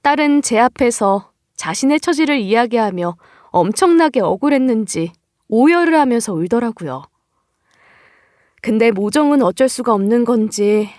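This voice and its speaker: A woman narrating a first-person story for story radio in a slow, mournful way. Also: on the high side, a little mellow, dry recording, clean studio sound.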